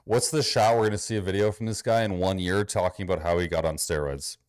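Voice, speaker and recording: Deep-voiced Minnesotan man, blunt and sarcastic. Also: fairly even intonation, fast talker, clean tone. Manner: blunt, sarcastic, swears freely. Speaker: fitness coach reacting to a video. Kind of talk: casual reaction commentary.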